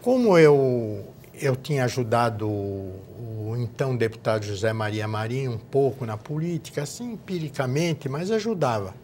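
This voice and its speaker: An older man, telling his story in an interview. He speaks in a middling register and pauses often, restarting phrases and repeating words while he recalls. Faint noise sits under his voice. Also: medium pitch, expressive, darkish tone. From São Paulo, Brazil. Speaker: guest, former state legislator. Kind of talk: interview reminiscence.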